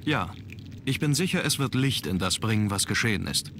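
A determined young nobleman from a mystery adventure game. His voice sits low, and he speaks in measured, formal phrases. There is clear ambient noise behind him. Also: expressive, fairly bright tone. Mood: insistent, suspicious. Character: determined young aristocratic man investigating his grandfather's death. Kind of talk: scripted adventure game dialogue.

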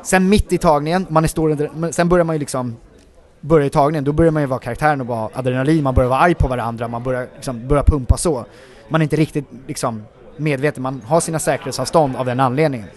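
A man, an actor guest in a casual interview, telling stories from film sets in a rambling, animated way with many filler words. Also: mid-range voice.

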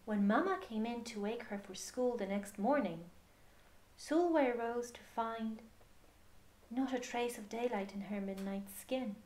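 A woman reading a picture book aloud to children in a measured, expressive way with pauses. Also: a little high. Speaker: storyteller.

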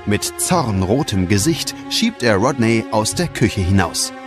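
Male narrator, children's audio story, very lively intonation, clear music bed. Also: on the low side, a little slow.

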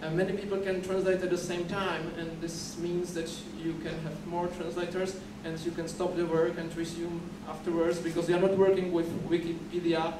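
A man's voice: on the high side, level tone, moderate pace, hardly any pauses. A young man giving a conference talk at a podium, often repeating words and restarting as he explains. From Czech Republic. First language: Czech. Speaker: conference speaker. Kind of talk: conference presentation. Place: dim lecture hall, at a podium. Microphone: podium mic, recorded from a far camera. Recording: echoey hall recorded from far off, noisy.

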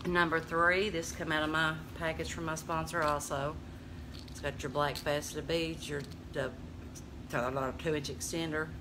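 A woman in her fifties, a little hoarse, chatting to viewers as she shows jewelry pieces and reads out their numbers. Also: deep voice, level tone, normal speed. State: losing her voice. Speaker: jewelry seller on a live stream. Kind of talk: casual live selling chat. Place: small home room with a jewelry display wall. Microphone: phone camera close up. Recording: noisy phone live stream.

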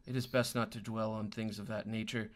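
A man playing a grave, formal monk master in a tabletop game, speaking in slow, deliberate phrases. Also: fairly low pitch, level tone, natural voice. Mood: calm, pensive. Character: grave, measured male monk master of martial arts.

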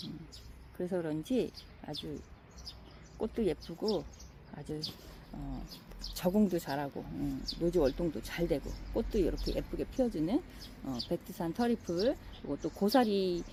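A middle-aged woman chatting casually as she walks through her outdoor flower garden, admiring the plants with many soft fillers. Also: fairly low pitch, animated, normal speed, noisy background. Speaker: gardening vlogger.

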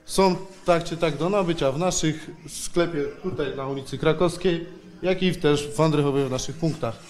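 A man's voice: a little high, normal speed, a little mellow. A man in his thirties, a baker, explaining a process step by step in an informal, matter-of-fact way on a handheld microphone. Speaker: pastry baker. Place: tiled bakery production hall. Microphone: handheld microphone held by interviewer.

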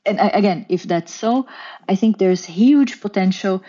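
A woman in her thirties speaks with a Brazilian Portuguese accent, explaining her work in a careful, measured way. Her voice is mellow and warm rather than bright. The audio is somewhat dull and lo-fi, like a remote recording. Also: medium pitch, slightly rough. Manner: careful, explanatory, with occasional restarts. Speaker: guest scientist. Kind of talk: podcast interview, explaining.

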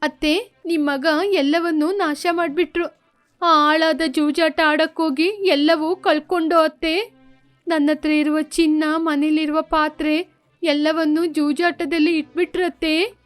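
Woman playing a tearful young wife, pleading, high voice. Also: steady tone, unhurried, soft background music. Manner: pleading, plaintive.

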